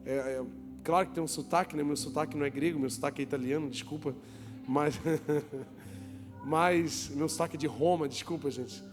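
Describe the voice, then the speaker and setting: A pastor preaching a lively sermon to his congregation, joking with them, asking them questions and calling for applause. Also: on the high side, moderate pace. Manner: joking, asks the crowd questions and calls for applause. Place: church hall with a congregation. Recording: long church reverb, music behind.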